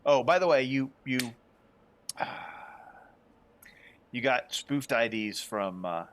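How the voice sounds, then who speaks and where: A man's voice: medium pitch, expressive, slow, a bit bright. A man running a tabletop role-playing game as game master, narrating and chatting casually.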